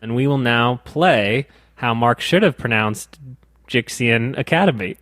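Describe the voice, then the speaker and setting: A man's voice: mid-range voice, animated, unhurried, fairly bright tone, dry recording. A man co-hosting a casual board game podcast, walking through rules step by step with some dry teasing. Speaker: podcast co-host.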